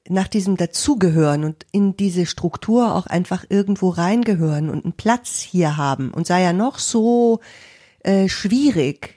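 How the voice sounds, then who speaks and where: A woman's voice: lowish voice, dark tone. A woman in her fifties in casual conversation as a podcast co-host, reflective and searching for words.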